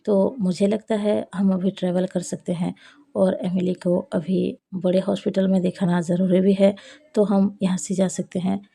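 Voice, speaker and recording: A woman voicing a calm, matter-of-fact woman looking after a patient. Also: mid-range voice, normal speed, vocal fry, slightly rough. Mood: informative.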